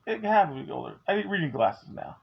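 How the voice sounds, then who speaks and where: A man's voice: fairly high pitch, big pitch swings, racing, vocal fry, husky, lo-fi sound. A man in his forties talking at home, candid and joking but earnest as he gives advice. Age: 40s. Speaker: vlogger. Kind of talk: casual talk to camera.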